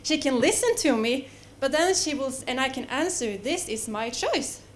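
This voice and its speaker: A woman in the audience at a public debate, calmly explaining her own view. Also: high voice, moderate pace, a little hiss or hum. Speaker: audience member.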